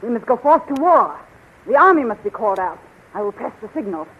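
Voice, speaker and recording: A woman's voice: fairly high pitch, very animated, a little fast. An actress playing an imperious, smitten queen of a magic kingdom in theatrical 1930s radio style. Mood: commanding. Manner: regal, theatrical, commanding. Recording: muffled, crackly 1930s radio recording.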